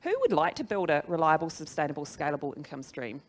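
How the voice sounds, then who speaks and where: A middle-aged woman with a New Zealand accent speaks in a fairly low register. She presents like a business trainer, chatty yet emphatic. She often turns to her listeners with questions. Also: expressive, quick pace. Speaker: social media trainer and speaker. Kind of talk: motivational business presentation to a live audience.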